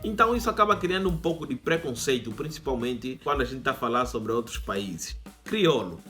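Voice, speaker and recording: A man's voice: medium pitch, animated, fairly quick, a bit bright, faint music behind. A young Angolan man with an Angolan Portuguese accent, hosting a channel and explaining casually with asides to viewers. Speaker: YouTube channel host. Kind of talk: casual educational monologue.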